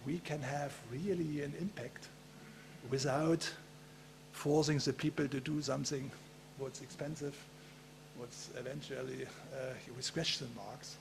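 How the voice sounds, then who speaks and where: A man giving a conference talk in a halting way, with many filler pauses and a gravelly voice. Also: mid-range voice, fairly even intonation, noisy background. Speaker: conference speaker.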